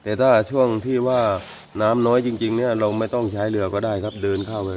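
Low-voiced man guiding at a cave. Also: steady tone, quick pace, a little mellow, a little hiss or hum. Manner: hesitant, many fillers, agreeable. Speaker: local cave guide. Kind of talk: explaining to a visitor. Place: outdoors at a cave mouth by a stream.

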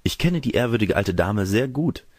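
A man's voice: lowish voice, sing-song, moderate pace, no echo, studio quality, voice pushed up. A man voicing a suave, coaxing young cavalier, a sorcerer in disguise, in a storybook reading. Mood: breezy. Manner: smooth-talking, coaxing, gallant.

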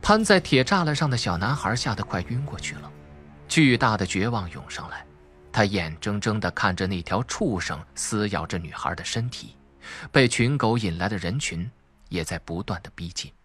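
A man's voice: on the low side, animated, moderate pace, fairly bright tone, breathy edge. A man reading a novel as dramatic scripted narration. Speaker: audiobook narrator. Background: background music.

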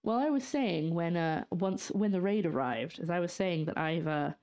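Her voice lowish, clean and a little mellow, a young woman chats expressively at a moderate pace to her stream as she cooks at home. She's from northeast Scotland, with a light Scottish accent that's partly English-sounding, a slight brace lisp, and a jokey, sarcastic manner with chat.

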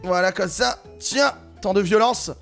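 A man with a French accent giving excited gameplay commentary, exclaiming and laughing often as he plays. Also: high-pitched, measured pace, gravelly, soft background music. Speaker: gaming YouTuber.

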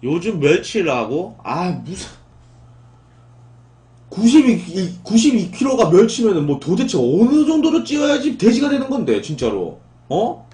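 A young man hosts a casual live stream and talks straight back to his viewers, his pitch rising and falling a lot as he answers them. His voice sits fairly high for a man. The room behind him adds a noticeable echo. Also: warm tone. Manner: talks back to chat, rising into exasperated outbursts.

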